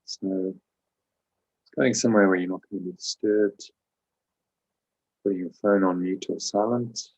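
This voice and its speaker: Low, husky man guiding a meditation. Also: dull audio. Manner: calm, measured instruction with pauses. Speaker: meditation teacher and host. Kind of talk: guided meditation with spiritual teaching.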